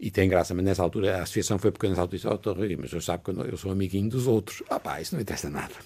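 A man with a very deep, low pitch talks at a very fast pace with hardly any pauses. His pitch varies in an ordinary way, and noticeable background noise is present. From Portugal, Porto. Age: 70s. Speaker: pathologist and professor. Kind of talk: radio interview. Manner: halting.

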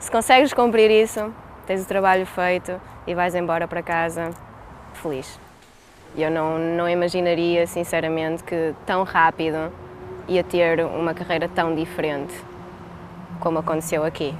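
Speaking at a moderate pace, a woman leaves long, frequent pauses. Her voice is fairly low in pitch, with fairly even intonation. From Portugal. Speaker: video editor. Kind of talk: interview.

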